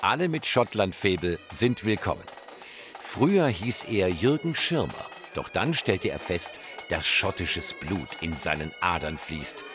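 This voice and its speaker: A man with a fairly low voice narrates a television news feature, his delivery lively and swinging in pitch. Bagpipe music plays clearly under his scripted voice-over. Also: unhurried. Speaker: news reporter.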